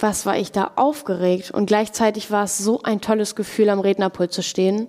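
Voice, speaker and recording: With fairly even intonation and a dark, mellow tone, a woman talks at a moderate pace in a medium pitch. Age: 20s. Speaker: police cadet and podcast host. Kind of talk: scripted narration.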